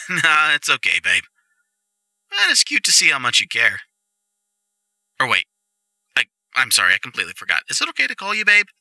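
Casting: male actor as goofy, reckless young jock boyfriend for roleplay audio, eager rambler, very bright, hugely animated delivery. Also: mid-range voice, moderate pace, creaky, pauses often, no echo, heavily acted. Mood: hesitant.

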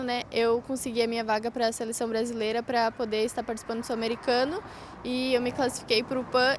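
A woman's voice: fairly high pitch, a little hiss or hum. A sixteen-year-old girl with a Southern Brazilian accent, answering an outdoor interview into a handheld mic, earnest and a little hesitant. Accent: Southern Brazilian Portuguese. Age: teenager, 16. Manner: earnest, slightly hesitant with fillers. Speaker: interviewee, karate athlete. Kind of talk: street interview. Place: outdoors by a street. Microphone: handheld reporter mic.

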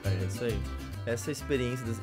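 A man giving gaming stream commentary, excitable and often laughing and shouting. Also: medium pitch, quick pace, over loud music.

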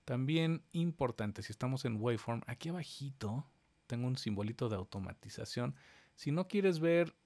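A man, giving a step-by-step screen-recorded software lesson and talking straight to his viewers. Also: mid-range voice, animated, normal speed. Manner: explains step by step, addressing viewers directly. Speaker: instructor.

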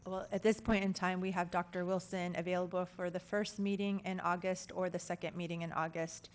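A woman's voice: lowish voice, little pitch movement, a little fast. A woman explaining matters as a city staff official in a council chamber. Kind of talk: explanatory meeting remarks.

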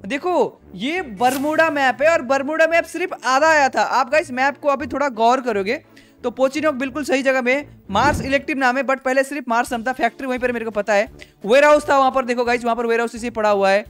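A young man with a high voice reacts to game footage in a chatty, excitable way, often calling out to his viewers. A little background music plays faintly behind him. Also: brisk. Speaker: gaming YouTuber. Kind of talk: casual game reaction commentary.

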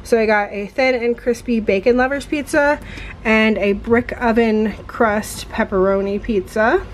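A woman's voice: a little high, fairly even intonation, measured pace, slight background noise. A woman in her thirties talking casually at home, rambling with fillers and restarts as she walks through her shopping. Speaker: vlogger. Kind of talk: casual haul vlog. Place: home kitchen, indoors.

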